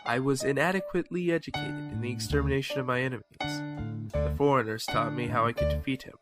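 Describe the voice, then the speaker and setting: A man's voice: mid-range voice, quick pace, over loud music, natural voice. A man playing a haughty Shakespeare-quoting suspect. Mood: theatrical. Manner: archaic stagey diction, mocking. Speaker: bombing suspect claiming to be Tybalt. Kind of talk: full-cast audio drama.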